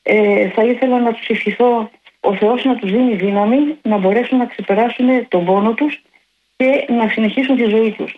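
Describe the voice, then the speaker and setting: A woman calling in to a radio show, earnest and hesitant, with plenty of fillers. Her voice is fairly high. The line sounds muffled, with a faint hiss underneath. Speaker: caller. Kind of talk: phone-in call.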